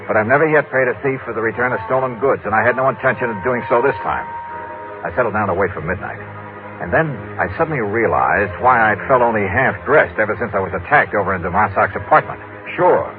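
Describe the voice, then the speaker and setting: A man's voice: on the low side, close to an everyday voice. An actor playing a hard-boiled male insurance investigator who narrates in a clipped, streetwise, wisecracking way. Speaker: narrator and lead. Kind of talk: 1950s radio drama acting. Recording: lo-fi old radio broadcast with music.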